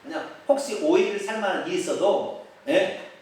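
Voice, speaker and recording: A male pastor preaching with a high, lively voice that swings up and down. He keeps asking the congregation questions and acts out the quotes. He is heard from a distance in a very echoey church hall. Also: normal speed. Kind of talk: expository sermon. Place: church sanctuary.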